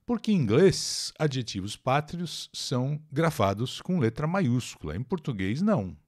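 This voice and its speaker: Very animated yet unhurried, this man's mid-range voice is a little mellow and carries a Brazilian accent. Teaching English live online, he reads out a text, translates it and explains pronunciation while chatting and talking straight to viewers.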